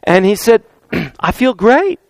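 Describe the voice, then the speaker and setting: A pastor preaching a sermon, telling anecdotes and quoting scripture, slowing down to stress key points. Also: male voice, high voice, big pitch swings, gravelly, dry recording, clean studio sound. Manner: storytelling with anecdotes and scripture, slows down for emphasis.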